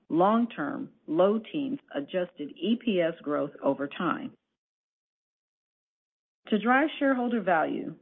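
A woman company executive giving a formal, scripted earnings presentation in a measured, deliberate way over a conference call line. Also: lowish voice. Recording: narrowband phone conference line.

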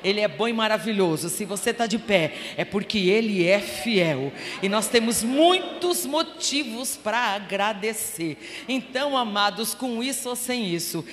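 A woman missionary with a Brazilian accent preaching a sermon fervently, her voice swelling to loud exclamations. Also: medium pitch, animated, a little slow. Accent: Brazilian Portuguese. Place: church hall. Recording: echoey church hall.

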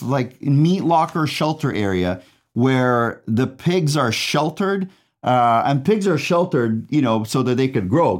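A man giving a casual, chatty book review, often asking "right?" and reading a passage aloud. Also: medium pitch. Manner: chatty, tag questions, reads passage aloud.

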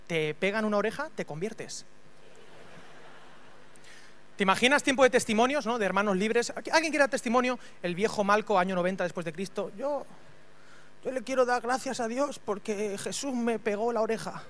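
A man preaching a humorous, animated sermon and acting out scenes with voices. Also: high-pitched. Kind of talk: storytelling sermon.

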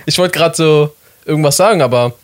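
A man in a casual podcast chat, easygoing and quick to laugh, often reacting with disbelief. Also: on the high side.

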